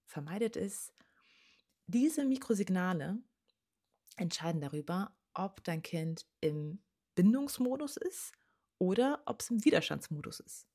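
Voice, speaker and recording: A low, husky woman's voice, talking straight to parents about their children. She is earnest and coaching in tone, and often sinks into a soft near-whisper to stress a point. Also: animated, measured pace. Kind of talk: direct-address advice talk.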